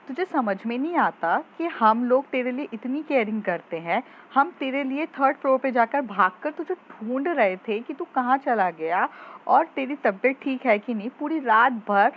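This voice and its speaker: A woman voicing a fiery young schoolgirl who scolds her friend loudly, in a storybook tale. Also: sits high, muffled recording, pitched above the performer's own voice. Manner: scolding, loud.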